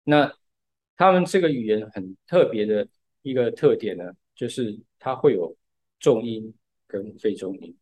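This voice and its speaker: A man's voice: lowish voice, animated, unhurried, a little mellow, slightly rough. Patient man explaining music. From Taiwan. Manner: explains patiently with many "对" fillers. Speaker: podcast co-host. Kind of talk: casual explanatory chat.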